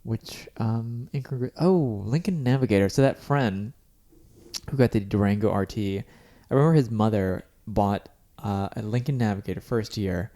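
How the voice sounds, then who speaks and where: A man with a warm, mellow voice chats casually as a podcast co-host. He is wry and loose, often breaking off mid-thought before picking the sentence back up. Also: fairly low pitch, normal speed. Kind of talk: casual chat.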